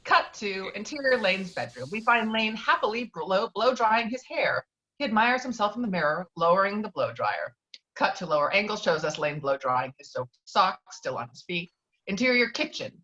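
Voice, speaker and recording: A woman's voice: medium pitch, sing-song, normal speed, pushed and bright, highs cut off. A woman reading screenplay stage directions as the narrator of a table read.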